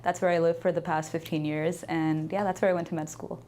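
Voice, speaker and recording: A woman's voice: on the low side, flat delivery, fairly quick, warm tone, slight background noise. A young woman from India, a pediatric resident, answering interview questions in a friendly, conversational way.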